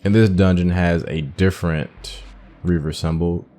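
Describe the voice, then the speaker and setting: A man's voice: sits low, steady tone, unhurried, warm tone, soft background music. A man giving casual, informal playthrough commentary as a gaming video host, thinking aloud as he goes.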